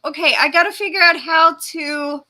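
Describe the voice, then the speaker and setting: Bright-voiced chatty woman host. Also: very high voice, normal speed. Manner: chatty, laughs often, fumbles with the stream software. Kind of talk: casual live-stream chat, reading out viewer comments.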